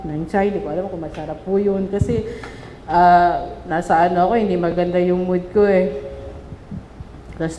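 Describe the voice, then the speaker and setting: A middle-aged woman from the Philippines giving emotional public testimony, speaking haltingly with many restarts and polite fillers. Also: fairly low pitch, warm tone. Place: large public hall. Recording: echoey hall, faint room noise.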